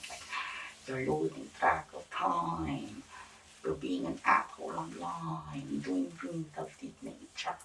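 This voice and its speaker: A woman playing an eccentric, fussy medical examiner in an ASMR roleplay, talking in a halting, rambling, repetitive and reassuring way. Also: low voice, vocal fry, distant mic, slight background noise, heavily acted, poor audio. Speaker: ASMR performer.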